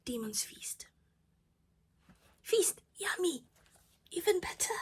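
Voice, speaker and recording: A woman's voice: very high-pitched, very animated, takes it slowly. A woman whispering her way through a casual cross-stitch project chat at home while losing her voice.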